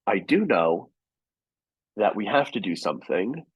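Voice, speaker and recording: A deep-voiced man speaks from home over a video call. His tone is husky, and the sound is dry and close. He answers questions in a measured, thoughtful way, circling back and restarting his sentences. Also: sing-song, dry recording, low-quality recording. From United States. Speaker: guest journalist.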